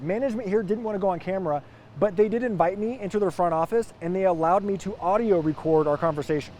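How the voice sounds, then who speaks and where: An American man reporting television news in a fairly high-pitched voice. He reads in a scripted investigative style, presenting facts and putting questions. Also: darkish tone. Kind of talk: scripted news narration and interviewing.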